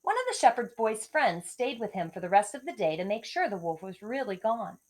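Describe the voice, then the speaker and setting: Animated woman reading aloud to children. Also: mid-range voice, a little fast. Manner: expressive, clearly addressing children. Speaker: elementary school teacher reading to pupils. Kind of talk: read-aloud storytelling for young children.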